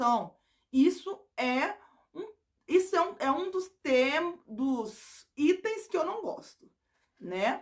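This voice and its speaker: Speaking very slowly with long, frequent pauses, a woman uses an extremely high pitch and very wide pitch swings. The background is quiet. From Brazil, interior of Paraná. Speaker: vlogger. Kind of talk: casual vlog monologue. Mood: complaining, animated. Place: home room.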